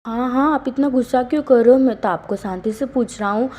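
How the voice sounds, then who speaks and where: Girl doing a jumpy young student guy, stammers n pleads, voice pitched up kinda mellow. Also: a little fast, close to an everyday voice. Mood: pleading.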